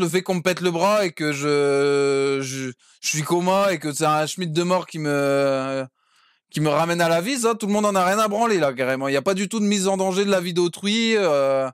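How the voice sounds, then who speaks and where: Brief: male roleplayer, defiant and crude joker, higher voice, dry recording. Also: smooth, dry recording. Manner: cheeky, vulgar, keeps saying "carrément". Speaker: roleplay player as a defendant. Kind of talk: crude joking roleplay in court.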